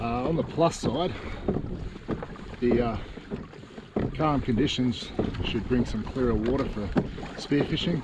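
Loud background noise sits under a man speaking at a moderate pace. His pitch varies in an ordinary way, and the sound is dry with no echo. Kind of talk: casual vlog chat. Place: boat. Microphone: phone near.

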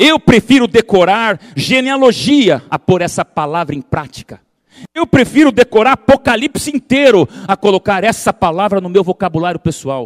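At a moderate pace, a man speaks in an animated tone with a high pitch and very wide pitch swings. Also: quiet background. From Brazil. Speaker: preacher. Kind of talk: sermon. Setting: church with congregation. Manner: lively, emphatic, storytelling with humor. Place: church. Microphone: handheld.

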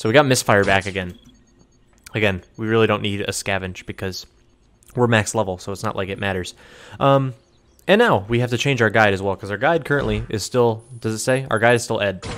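This man has a plain, everyday voice with a fairly low pitch. His pitch varies in an ordinary way. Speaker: gaming youtuber. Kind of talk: let's play commentary. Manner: casual, many filler words.

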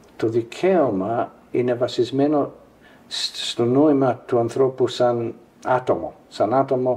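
A man speaks very slowly with an English accent. His tone is dark and mellow and somewhat breathy. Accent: English-accented Greek. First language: English (speaking Greek). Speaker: interviewee. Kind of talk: interview. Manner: halting. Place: home room. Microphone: lapel.

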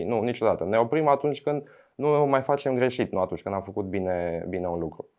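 Pitch varying in an ordinary way, a man talks fairly quickly. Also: quiet background. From Greece. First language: Greek (speaking Romanian). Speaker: physiotherapist; guest. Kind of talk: interview. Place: studio. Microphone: lapel.

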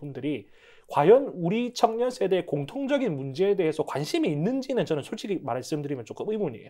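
A man's dark, mellow voice with very wide pitch swings at a very fast pace, over a quiet background. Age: 20s. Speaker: young party youth spokesperson. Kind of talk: panel discussion. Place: studio. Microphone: lapel.

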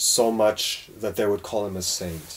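Intonation stays fairly even as a man speaks in a fairly low pitch. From Germany. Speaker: actor and writer; actor. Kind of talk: casual interview. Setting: recorded in Seoul. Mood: calm, reflective. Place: home room.

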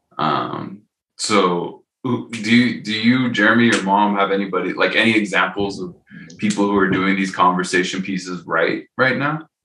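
A man's fairly low, bright and sharp voice with ordinary pitch variation, audible room echo and light background noise. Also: moderate pace. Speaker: book club moderator and tutoring business owner; book club moderator, tutoring business owner. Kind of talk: casual chat. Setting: video call. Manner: hesitant, many fillers. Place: home room. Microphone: video call.

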